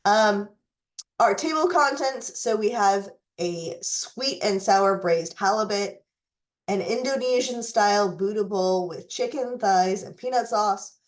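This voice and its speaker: Slow-talking woman losing her voice. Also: medium pitch. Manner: slow, deliberate, with fillers and restarts. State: losing her voice, fighting a cough. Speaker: recipe tutorial host. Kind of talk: reading a letter, then walking through recipes.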